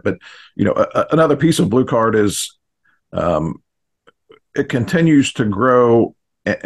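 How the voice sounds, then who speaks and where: A middle-aged American man with a husky voice, explaining his work in an interview over a video call. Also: low voice. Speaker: fire command instructor and podcast guest. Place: small indoor home studio, on a video call. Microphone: studio mic on boom arm.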